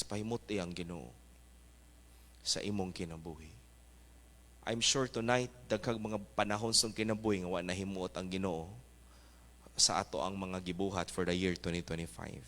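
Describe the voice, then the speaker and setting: Bright-voiced pastor preaching. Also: male voice, lowish voice. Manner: fervent preaching mixing English exhortations. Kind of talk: sermon. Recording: echoey church hall.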